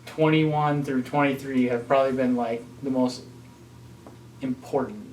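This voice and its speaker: A man's voice: mid-range voice, fairly even intonation, unhurried, a little mellow, a little hiss or hum. A man in his twenties co-hosting a casual podcast, rambling and filling his talk with "like". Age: 20s. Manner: rambling, heavy use of "like". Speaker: podcast co-host. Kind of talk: casual chat among friends. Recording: roomy sound from a distance.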